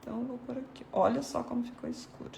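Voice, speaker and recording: Woman chatting thru a watercolor demo, kinda high voice, keeps saying look here. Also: huge pitch swings, fast talker, creaky, mellow, a little hiss or hum. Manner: chatty, addresses viewers as "gente", points things out while painting. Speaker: art devotional host. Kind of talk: casual watercolor painting tutorial.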